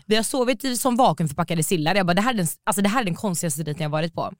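A young adult woman telling a story in casual chat, animated and slangy, laughing as she goes. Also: fairly low pitch, no room sound, studio quality.

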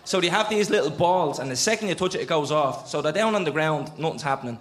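A man's voice: fairly high pitch, expressive, fast, a bit bright. An Irish man hosting a live podcast, blunt and colloquial, telling sweary anecdotes and bantering.

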